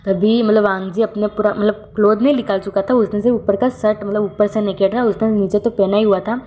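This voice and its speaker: A woman narrating a romance fan story in a casual way, halting with fillers and self-corrections, stammering when voicing the nervous secretary. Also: medium pitch, fairly even intonation, warm tone, slight background noise.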